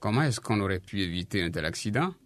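Man, radio presenter, studio, scripted narration, measured, low voice. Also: expressive, no echo. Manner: measured, explanatory.

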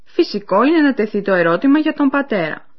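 Woman presenter with lively, animated pitch. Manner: clear, explanatory, addresses listeners. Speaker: radio language-course presenter. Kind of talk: scripted educational narration. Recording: dull lo-fi radio recording.

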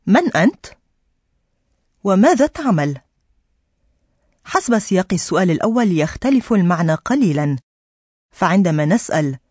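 A woman teaches a language lesson for radio, her voice slightly husky and pitched on the low side. She explains patiently and clearly, with lively rising and falling intonation, in a dry studio sound. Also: dry recording.

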